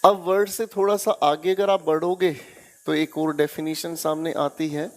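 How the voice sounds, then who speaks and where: A man's voice: on the high side, fairly even intonation, moderate pace. A man with an Indian accent teaching English grammar in an online exam-prep lecture, coaxing students and checking again and again that they follow. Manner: coaxing, keeps checking students with "haan ya na?" and "theek hai beta?".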